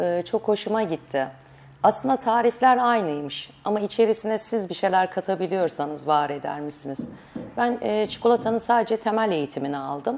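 A woman at a moderate pace with lively intonation. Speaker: guest. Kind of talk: interview answer. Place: studio.

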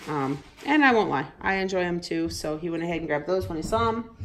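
A woman speaks in an ordinary speaking voice at a moderate pace with ordinary pitch variation. Light background noise is present. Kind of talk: casual vlog chat. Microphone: phone near.

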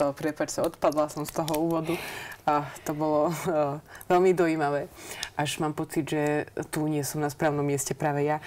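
A woman speaks at a very deep, low pitch. Her pace is moderate and her intonation monotone and flat. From Kysuce, Slovakia. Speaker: stand-up comedian. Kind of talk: interview answer. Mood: warm, often smiling. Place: studio. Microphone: lapel.

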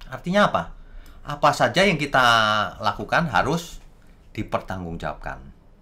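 A man's voice has a bright, sharp tone with vocal fry. His pitch swings very widely. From Indonesia. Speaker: pastor. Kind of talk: sermon. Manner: animated. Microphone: webcam.

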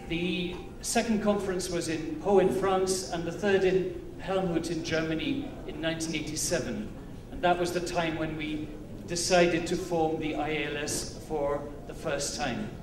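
A man speaks at a high pitch with fairly even intonation. Audible room echo and noticeable background noise fill the recording. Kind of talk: formal speech. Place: hall. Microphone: podium.

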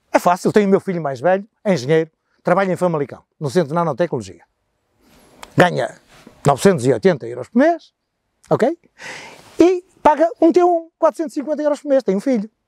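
A man with a high pitch talks at a moderate pace, his pitch swinging very widely. Long, frequent pauses break up his speech, and the sound is dry with no echo. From Portugal. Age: 60s. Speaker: local election candidate; election candidate. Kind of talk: political interview. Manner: animated. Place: garden. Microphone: lapel.

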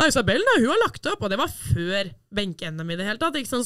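With an unremarkable speaking voice, a woman talks at a fairly quick pace at a fairly high pitch. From Norway, Østfold/Akershus area. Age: 20s. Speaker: powerlifter. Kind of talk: casual chat.

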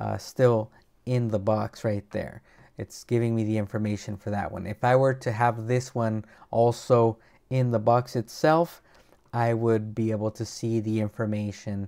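Over a quiet background, a man talks at a moderate pace in a dark, mellow tone with monotone, flat intonation. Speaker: tech reviewer. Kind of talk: tutorial. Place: home room. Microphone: lapel.

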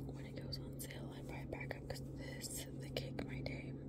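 Whispering at a fairly quick pace, a woman is heard against noticeable background noise. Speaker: ASMR creator. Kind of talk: ASMR whispered show and tell. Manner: whispered.

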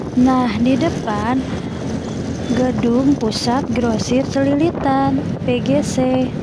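Loud noise fills the background behind a female speaker. The recording is dry and has no echo. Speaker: motovlogger. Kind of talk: casual vlog narration. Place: motorbike. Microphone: helmet.

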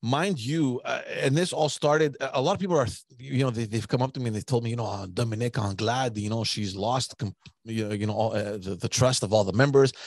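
Over a quiet background, a man talks at a fairly quick pace. The sound is dry, with no echo. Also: ordinary pitch variation. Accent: Quebec. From Quebec. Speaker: podcast host and former political staffer. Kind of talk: casual interview. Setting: video call. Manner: halting. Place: home room. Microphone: studio mic.

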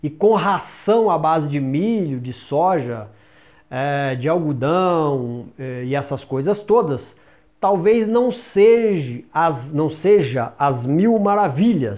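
A man speaks against a quiet background. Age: 40s. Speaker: nutrition YouTuber. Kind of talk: educational monologue. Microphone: lapel.

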